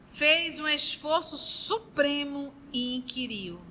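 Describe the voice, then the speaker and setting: A woman leading a study group, chatting warmly and then reading a novel aloud. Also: sits high, slow pace, a little hiss or hum. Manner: warm, chatty and lively between passages.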